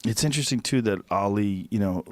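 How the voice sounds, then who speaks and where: A man's voice: on the low side, a little fast, no echo. A middle-aged man hosting a podcast, chatting casually in a blunt, profane, emphatic way. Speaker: podcast host. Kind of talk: casual chat.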